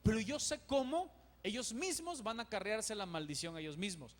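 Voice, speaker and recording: A man's voice: high voice, animated, normal speed. A man voicing a greedy, scheming prophet who wheedles a king. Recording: long church reverb.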